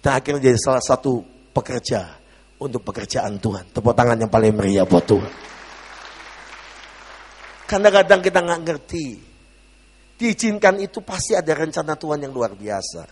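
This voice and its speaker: A man preaching a sermon as a pastor, telling a story dramatically, shouting the lines of the people in it and calling the congregation to clap. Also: mid-range voice, very animated, normal speed, pauses often, big-room sound, some chatter behind, a little hiss or hum.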